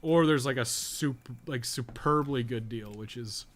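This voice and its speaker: A man with a medium-pitched voice offers casual, rambling commentary at a measured pace while playing a game on a live stream. He's a podcast co-host, and he swears and mutters asides to himself as he goes.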